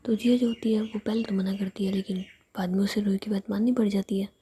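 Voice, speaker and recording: A woman narrating a romantic story in a soft, steady whisper. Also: medium pitch, fast talker, a little hiss or hum.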